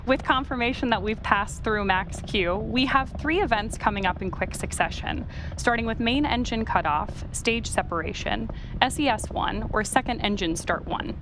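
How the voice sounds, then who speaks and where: A woman's voice: a little high, moderate pace, noisy background. A woman hosting a live launch webcast, explaining things step by step as commentary.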